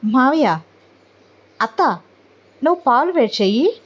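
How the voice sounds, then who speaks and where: A fiery young woman with a bold, confrontational edge, as a female storyteller puts her on. Her voice sits fairly high. The audio-story recording sounds slightly muffled. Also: expressive, measured pace. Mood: angry, defiant.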